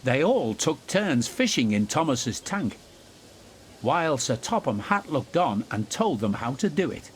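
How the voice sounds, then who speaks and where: A man's voice: medium pitch, very animated, unhurried, a little hiss or hum. A man narrating a scripted children's story as its storyteller.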